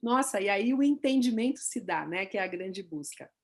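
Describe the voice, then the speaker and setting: A woman's voice: medium pitch, lively intonation, moderate pace. A woman on a casual panel chat, speaking in a reflective way.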